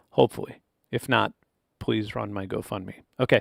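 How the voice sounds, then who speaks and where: A fairly low male voice with vocal fry, its sound dry and close with no echo. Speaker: YouTuber and music producer. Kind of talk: livestream chat. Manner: fast; casual, halting.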